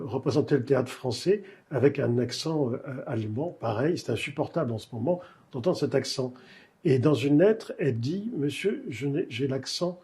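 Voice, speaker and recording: A man hosting a literary interview, asking measured, digressive questions with frequent hesitations. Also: mid-range voice, warm tone, slightly rough. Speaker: literary talk show host. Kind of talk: cultured interview conversation.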